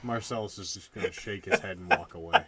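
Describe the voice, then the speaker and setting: A man improvising in a tabletop roleplay podcast, speaking deliberately with hesitant pauses. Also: low voice, crowd noise.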